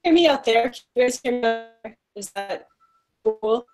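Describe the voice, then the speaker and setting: Woman guest on a breaking-up video call link, high voice, unsure if she's coming through. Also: expressive, normal speed, over music. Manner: hesitant, checking if she can be heard. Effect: choppy video call audio breaking up. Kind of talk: casual chat.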